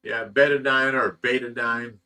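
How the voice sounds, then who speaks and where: A man's voice: medium pitch, steady tone, moderate pace, bright, forceful tone, far from the mic. A man in his sixties hosting a casual livestream, reading viewer comments and telling rambling stories with plenty of swearing and laughter. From Ohio, USA. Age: 60s. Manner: rambling storyteller, swears freely and laughs often. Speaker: fish rescue host.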